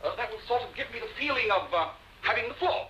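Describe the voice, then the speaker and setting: An actor playing a pompous, self-satisfied husband who loves making grand speeches, in a 1950s television drama. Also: male voice, very high voice, animated, quick pace, bright, forceful tone, lo-fi sound, slight background noise, heavily acted.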